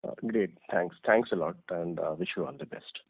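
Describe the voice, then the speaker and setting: A man's voice: sits low, animated, moderate pace, gravelly, breathy edge, no echo. A man, an analyst caller putting questions on an earnings call. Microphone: phone line. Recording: tinny, narrow phone line.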